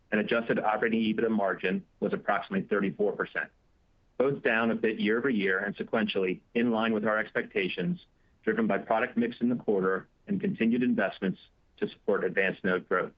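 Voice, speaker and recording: Male finance executive, lowish voice, formal and steady scripted reading of results, muffled call audio. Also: quick pace. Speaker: company finance chief. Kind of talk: prepared financial results report. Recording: dull, band-limited conference call audio.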